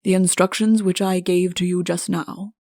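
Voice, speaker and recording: A woman's voice: lowish voice, fairly even intonation, normal speed, a little mellow, no echo, clean studio sound, natural voice. A woman voicing a pompous, stern, irritable middle-aged king in a comic fairy-tale audiobook, with an imperious, curt manner. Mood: cold.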